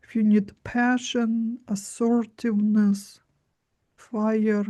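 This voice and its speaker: A woman's voice: fairly high pitch, flat delivery, takes it slowly, dark tone. A woman giving informal spiritual instruction in short, simple phrases. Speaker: spiritual teacher.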